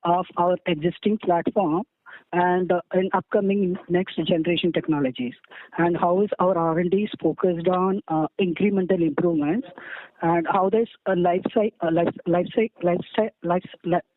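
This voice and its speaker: A man working as a financial analyst asks questions on an earnings call in a halting, deferential, repetitive way. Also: high-pitched, steady tone, dry recording. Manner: halting, deferential, repeats himself. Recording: tinny phone line.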